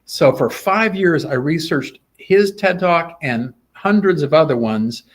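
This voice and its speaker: A man's voice: on the high side, a little slow. A middle-aged man, a guest sword swallower, telling stories in a casual interview and acting out the dialogue he quotes. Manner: animated, acts out quoted dialogue.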